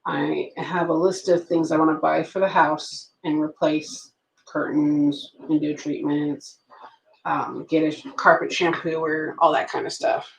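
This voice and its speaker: Late-30s woman, planner vlogger, low and gravelly, chatty live-chat manner. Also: fairly even intonation, measured pace, echoey room, low-quality recording. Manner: chatty, reacts to viewer comments. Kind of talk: rambling live chat while journaling. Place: at home.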